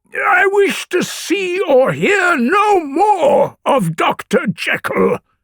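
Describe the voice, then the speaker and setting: A loud, raspy put-on character voice from a man, pitched extremely high and delivered at a very slow pace. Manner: trembling, agitated, adamant.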